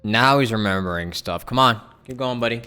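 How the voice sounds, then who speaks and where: A man's voice: mid-range voice, fairly quick, pushed and bright, smooth. A man livestreaming a game with casual, slangy commentary, reacting off the cuff. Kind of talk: casual live commentary while gaming. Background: game music and sound.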